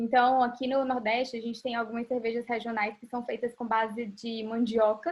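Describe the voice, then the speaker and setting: A woman is speaking. Her pace is fairly quick. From Northeast Brazil, Teresina (Piauí). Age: 20s. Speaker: recruitment manager. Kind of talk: lecture. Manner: talkative, animated.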